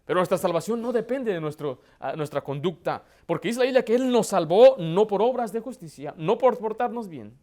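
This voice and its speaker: A pastor preaching with a notably high-pitched voice for a man. He hammers his points with rhetorical questions and builds to loud, impassioned emphasis. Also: expressive, fairly quick, hardly any pauses. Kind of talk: sermon.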